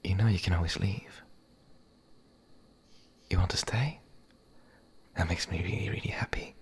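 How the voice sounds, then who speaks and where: A man voicing a gentle, playful male werewolf in an ASMR roleplay, speaking softly and intimately, often in a whisper. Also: low voice, a little hiss or hum. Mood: tender, content. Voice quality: husky, breathy, gravelly. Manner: soft, intimate, halting.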